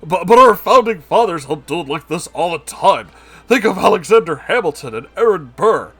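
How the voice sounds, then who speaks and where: A man's voice: high-pitched, lively intonation, normal speed, fairly bright tone, breathy edge, voice pushed up, exaggerated voice. A man voicing an indignant, naive young neckbeard who protests in a flustered way in a narrated comic story.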